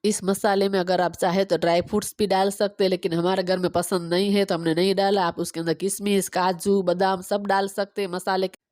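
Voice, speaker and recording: A woman in her thirties from Gujarat, native Gujarati speaker, chatting quickly through a home cooking and cleaning vlog on a phone camera. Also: medium pitch, level tone, darkish tone, no room sound, clean studio sound. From Gujarat, India. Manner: fast-talking, chatty step-by-step explaining. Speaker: vlogger.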